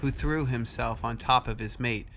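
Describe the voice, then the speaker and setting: A man reading a dramatic scripted story as narrator, in a measured, solemn manner. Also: mid-range voice, steady tone, vocal fry, fairly bright tone, slight background noise. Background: music under the voice.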